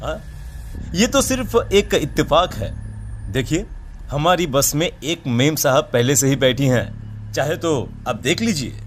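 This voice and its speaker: A woman voicing a grinning, paan-chewing male bus conductor who talks in a smooth, coaxing, overly polite way, set back from the mic. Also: low voice, animated, unhurried, slight background noise.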